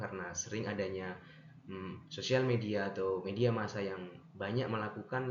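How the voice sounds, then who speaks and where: A man's voice: medium pitch, darkish tone. A young man giving an earnest class presentation, stumbling and correcting himself now and then. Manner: earnest, with restarts and self-corrections. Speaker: student presenter. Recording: echoey room, dull lo-fi mic, faint noise.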